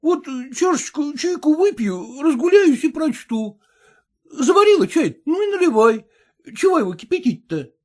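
A man's voice: extremely high pitch, very animated, moderate pace, voice pushed up. A man voicing a drowsy, hungover young peasant who drawls lazily and yawns between words. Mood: groggy.

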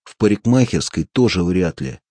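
A calm, wry former seminarian, read by a male audiobook narrator, answers in a low, husky voice. He sounds mocking and unbothered. The sound is close and dry. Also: normal speed, dry recording.

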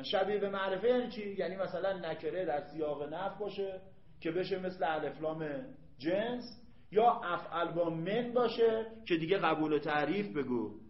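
A man's voice: a little high, reverberant. Man teaching grammar, lo-fi sound. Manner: quizzes students with questions, reads Arabic text then explains. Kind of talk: classroom lecture.

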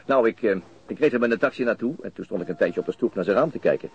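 A man's voice: lowish voice, lively intonation, rapid-fire, husky, heavily acted. An actor playing a dogged, methodical middle-aged police chief inspector in a Dutch radio play, hesitating as he thinks aloud. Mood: absorbed, explaining. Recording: muffled, dull radio drama recording.

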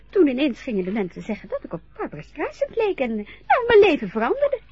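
An actress playing a chatty, eager young woman carer in a radio play, with a husky, breathy voice. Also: sits high, huge pitch swings, a little fast, slight background noise. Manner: chatty, eager, a little bossy. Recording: dull lo-fi radio play recording.

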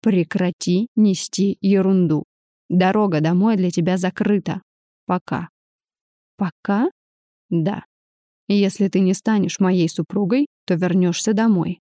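Brief: a woman doing a calm, teasing young man, mellow and close, unhurried. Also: lowish voice, dry recording, natural voice. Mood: firm. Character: calm, mocking young male suitor. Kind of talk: audiobook narration.

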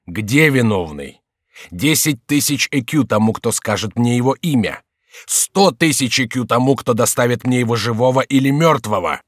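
A man's voice: fairly low pitch, moderate pace, no echo, studio quality, close to an everyday voice. A man voicing a volatile, anguished adult male king in a storybook reading. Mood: agitated. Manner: agitated, imploring, wrathful.

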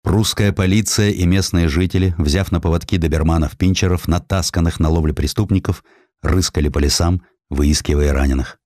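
A man reading a historical narrative as an audiobook narrator, in a measured, deliberate and dramatic way with weighty pauses. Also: low voice, steady tone, darkish tone, dry recording, clean studio sound.

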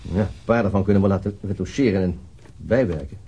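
An actor playing a tired, brooding police detective in a radio drama, understated and hesitant in manner. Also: male voice, low voice, fast, warm tone, breathy edge. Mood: businesslike, weary. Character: tired, brooding male police detective leading a murder inquiry. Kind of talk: radio drama acting, naturalistic.

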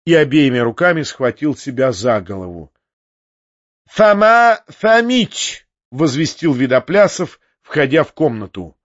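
A man reading a classic novel aloud as a first-person narrator, in a measured and expressive manner. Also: medium pitch, no echo, lo-fi sound. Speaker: audiobook narrator.

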